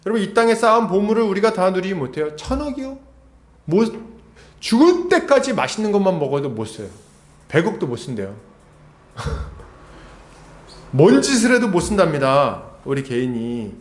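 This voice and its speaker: In an echoey church hall, a male pastor preaches an expository sermon in a conversational way, asking his congregation rhetorical questions. He speaks at a normal pace in a high register, with wide swings in pitch and frequent pauses.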